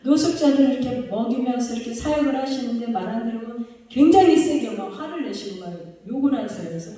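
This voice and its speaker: A woman's voice: fairly high pitch, lively intonation, fast talker, dark tone, recorded from a distance. Woman pastor preaching in an echoey hall. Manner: asks the congregation rhetorical questions. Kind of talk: sermon.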